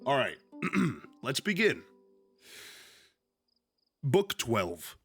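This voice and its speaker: Very slow and gravelly with a breathy edge, a young man's mid-range voice swoops wildly as he reads a book aloud on a stream from home with his dog. He's sniffly and still a little sick, chatting casually, joking, swearing freely and dropping lots of fillers. Soft music plays in the background.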